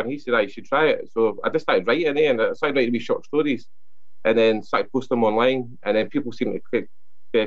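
A young Scottish man, a writer guest, chatting casually in a radio interview, full of fillers and restarts. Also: medium pitch. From Scotland. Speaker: author guest. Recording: dull lo-fi sound.

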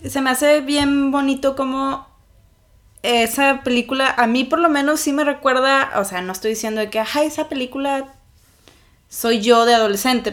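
Young woman co-host, casual expressive chat, a bit high-pitched, soft trailing asides. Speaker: podcast co-host.

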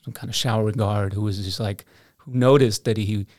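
A young man from Iceland chatting casually as a podcast co-host, telling animated stories and laughing often. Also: lowish voice, normal speed, no echo, studio quality. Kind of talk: casual conversation.

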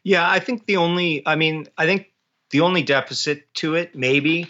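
A man's voice: fairly high pitch, normal speed, bright, forceful tone, highs cut off. A man speaking as an author being interviewed, in a casual conversational way.

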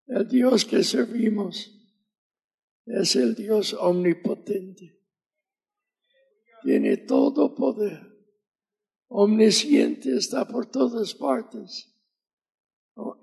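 A man in his nineties from Mississippi with an American accent and English as his first language, preaching a fervent and deliberate sermon as a visiting preacher. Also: high-pitched, creaky, a little mellow, slightly rough, rough recording. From Mississippi, USA. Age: 90s.

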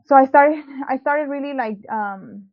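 A young woman with a fairly high voice tells her story as a guest, hesitating often with ums and likes. She was born in Mexico and raised in South Texas. Her audio comes through dull and lo-fi. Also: measured pace. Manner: hesitant, many ums and likes, laughs easily. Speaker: interview guest, musician. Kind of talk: casual personal testimony. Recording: dull lo-fi sound.

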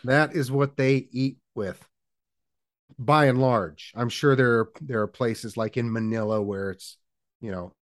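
Guy on a podcast, mid-pitch, dead dry mic, slow deadpan storytelling. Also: no room sound. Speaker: podcast co-host. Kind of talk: casual chat.

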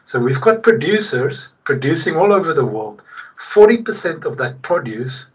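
Man, South African accent, husky, emphatic, conversational interview guest, distant mic, slightly muffled recording. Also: fairly high pitch, sing-song, moderate pace. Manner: emphatic, repeats key points for weight. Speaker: podcast guest, logistics technology executive.

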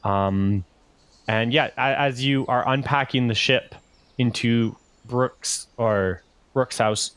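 A man's voice: medium pitch, slow, a bit bright, clear, resonant tone, no echo. A man narrating as game master, rambling with many fillers.

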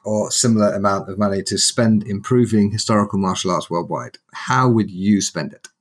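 A man's voice: on the low side, moderate pace. A man, hosting a podcast in a chatty, humorous storytelling way. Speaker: podcast host. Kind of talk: casual podcast interview.

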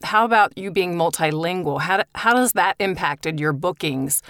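A woman's voice: lowish voice, normal speed, a bit bright, no echo, studio quality. A woman co-hosting a podcast, asking a guest friendly follow-up questions. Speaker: podcast co-host. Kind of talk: interviewing a guest.

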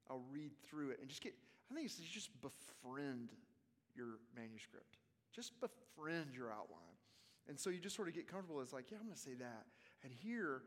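Southern man teaching informally, higher-pitched, reverberant hall. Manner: informal, halting, rephrases as he goes. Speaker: preaching teacher leading a question session. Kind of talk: casual teaching talk, answering questions. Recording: long reverb of a large hall.

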